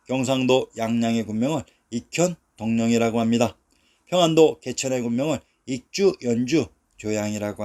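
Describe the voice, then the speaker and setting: Male narrator, middle pitch, scripted history read, slow and deliberate. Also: darkish tone. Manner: slow, measured, reads long lists of place names.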